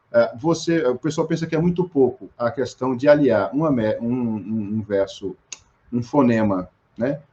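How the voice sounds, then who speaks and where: A Brazilian man talks at a middle pitch in an interview, stopping and restarting often as he explains. His speech is full of small fillers. The recording sounds a little dull. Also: dark tone. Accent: Brazilian Portuguese. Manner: hesitant, many restarts and fillers. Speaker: guest.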